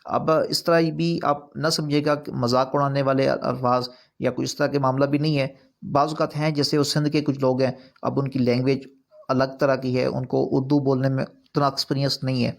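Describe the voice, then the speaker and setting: A man lectures a recitation class in a gravelly, mid-pitched voice. He explains each point earnestly, repeating it and pushing his pitch up on the key words. Urdu is not his first language. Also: little pitch movement. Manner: earnest, repetitive explaining with rising emphasis. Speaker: naat recitation teacher. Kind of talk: online course lecture.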